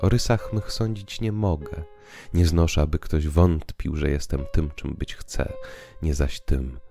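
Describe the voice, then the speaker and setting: A man voicing a proud, quietly steely woman with composed, resolute, solemn delivery in a literary audio drama. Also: extremely low pitch, a little slow, vocal fry, faint music behind, exaggerated voice. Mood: calm, resolute.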